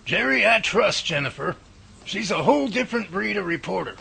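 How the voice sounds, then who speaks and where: A man plays an earnest research professor in an audio drama. His voice is very gravelly and bright, with animated intonation and a folksy, guarded way of talking, over faint noise. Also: high voice, brisk, full character voice. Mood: reassuring. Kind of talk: radio drama acting.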